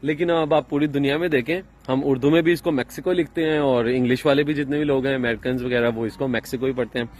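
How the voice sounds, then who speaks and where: A man's voice: mid-range voice, fairly even intonation, hardly any pauses, darkish tone. A man, talking to camera as a travel vlogger, chatty and explaining with many fillers and restarts, outdoors in a town. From Pakistan. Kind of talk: casual explanatory travel vlog.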